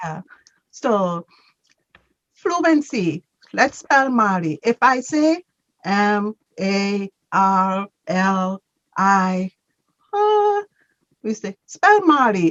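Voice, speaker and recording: With a Trinidadian accent, a woman speaks in a sing-song way at a medium pitch and a very slow pace, with long, frequent pauses and music in the background. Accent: Trinidadian accent, noticeable. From Trinidad and Tobago. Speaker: ESL teacher. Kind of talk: online class lesson. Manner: sing-song intonation; slow, careful spelling.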